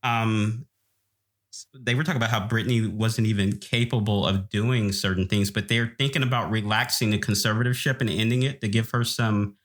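A man's voice: lowish voice, fairly even intonation, normal speed. Man chatting, gossipy and teasing. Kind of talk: casual chat.

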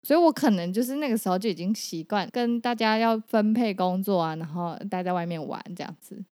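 A woman's voice: mid-range voice, dark tone, no echo. Teasing Taiwanese woman, dry close sound. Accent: Taiwanese Mandarin. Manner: teasing, quick questions. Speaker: podcast co-host. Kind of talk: casual chat.

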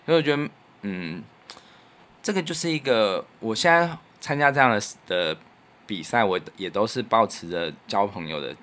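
A man's voice: fairly low pitch, expressive, normal speed, fairly bright tone. A man with a Taiwanese Mandarin accent hosting a podcast in casual, reflective chat, telling anecdotes in an earnest way. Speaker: podcast host; musician.

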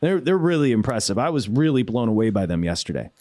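A man hosting a sports betting show, talking casually in an animated, ranting way with quick asides. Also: mid-range voice. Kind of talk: casual sports radio talk.

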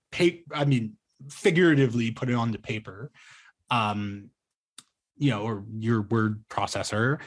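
A man in his thirties from Ontario speaks in a mid-range voice over a video call. He talks casually, hesitating often and restarting his sentences as he explains himself. He comes across as a journalist thinking out loud. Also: mid-range voice. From Ontario, Canada. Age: 30s. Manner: hesitant, many ums and restarts. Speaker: journalist guest. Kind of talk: casual interview conversation.

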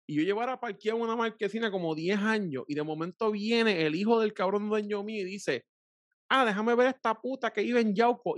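A man with a Puerto Rican accent in casual chat, telling crude, animated stories full of swearing. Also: high voice, no echo, studio quality.

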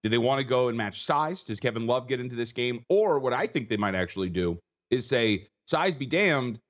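Husky, tired man talking fast. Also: mid-range voice, animated, highs cut off. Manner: fast, stat-heavy, with frequent restarts. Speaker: betting analyst guest. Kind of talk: rapid sports betting analysis.

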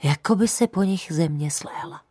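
A woman voicing a sad, kindly male school cook who talks softly. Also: fairly low pitch, breathy edge, dry recording, clean studio sound.

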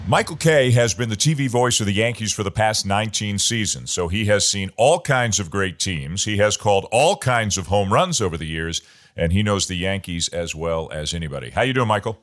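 A man hosting an interview, asking long, measured questions. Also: fairly low pitch, animated, a bit bright. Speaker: podcast host and baseball play-by-play announcer.

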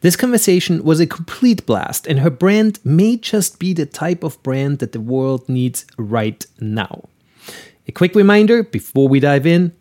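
A man's voice: on the high side, a little mellow. A man from Austria hosting an interview podcast, enthusiastic, with many fillers and restarts. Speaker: podcast host.

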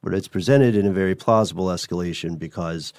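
Male podcast co-host, lower-pitched voice, conversational delivery, close dry studio sound. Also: fast, a little mellow, no echo. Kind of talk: conversational interview and show sign-off.

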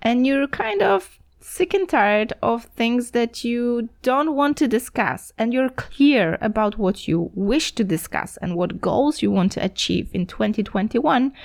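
A woman's voice: mid-range voice, vocal fry. A woman hosting a podcast, chatty and enthusiastic, laughing easily. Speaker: podcast host. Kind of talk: casual podcast interview.

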